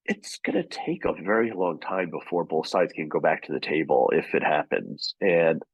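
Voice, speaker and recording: A man answering questions over a video call in a measured, thoughtful way, often restarting his sentences. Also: very deep voice, lively intonation, breathy edge, no room sound, highs cut off. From United States. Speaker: guest journalist. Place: home.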